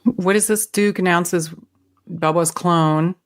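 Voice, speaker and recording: Woman, low voice, easygoing podcast co-host, casual film chat. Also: fairly even intonation, takes it slowly.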